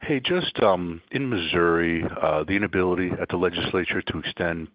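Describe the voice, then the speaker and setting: A man's voice: deep voice, a little fast, dry recording. A man calling into an earnings call as a financial analyst to ask questions. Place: phone call. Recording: dry, dull phone-call audio.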